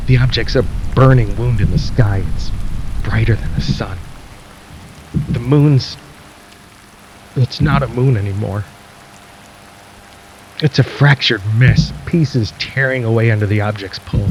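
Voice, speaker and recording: A man playing a weary, defiant radio broadcaster at the end of the world, speaking gravely and haltingly in a radio drama. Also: medium pitch, close to an everyday voice. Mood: grim, despairing. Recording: dull lo-fi radio sound, faint noise.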